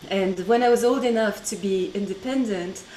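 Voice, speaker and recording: A woman's voice: medium pitch, normal speed, warm tone, a little hiss or hum. A middle-aged woman with a French accent, a guest chatting on a video call and laughing between phrases. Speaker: interview guest. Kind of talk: casual video-call interview. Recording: echoey room on video call.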